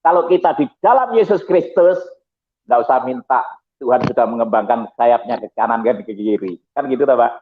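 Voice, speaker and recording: A man from Malang, giving a lively personal testimony as a guest and acting out the people he quotes. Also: mid-range voice, normal speed, slight background noise. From Malang, East Java. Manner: lively storyteller, voices people he quotes, laughs often. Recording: tinny phone-like line.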